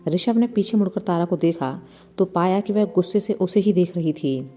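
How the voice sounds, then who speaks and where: A woman's voice: lowish voice, animated, moderate pace. A woman reading a story aloud, narrating and voicing the figures' dialogue with mild changes in tone. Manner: reads the dialogue of several figures with mild shifts. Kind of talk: scripted narration with light character voices. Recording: soft music bed behind the voice.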